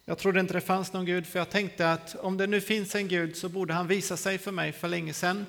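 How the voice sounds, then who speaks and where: A man in his forties preaching a sermon, telling his own story in a lively way and acting out the scenes. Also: sits high, gravelly. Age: 40s. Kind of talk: sermon testimony. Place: church hall. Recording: long hall reverb.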